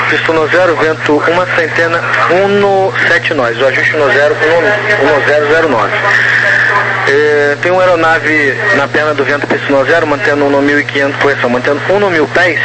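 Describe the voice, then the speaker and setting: A man working as an air traffic controller, giving measured, formal instructions in clipped radio phraseology, heard over a two-way radio. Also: fairly high pitch. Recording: noisy radio transmission.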